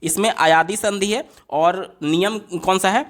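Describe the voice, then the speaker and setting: Male exam tutor, raised pitch, voice-over walkthrough that repeats each answer. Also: a little slow, fairly bright tone. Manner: asks and answers his own questions, repeats answers.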